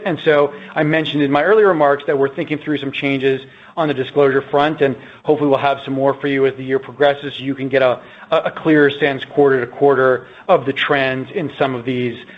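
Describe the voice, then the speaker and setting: A man answers as a company executive on an earnings call, measured and explanatory, with a mid-pitched voice. The sound is slightly muffled and lo-fi, as on a conference line.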